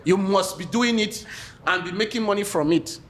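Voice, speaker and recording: A man's voice: high voice, normal speed, a bit bright. A man with a Nigerian accent, a podcast guest telling stories in casual chat, laughing often and repeating words as he starts.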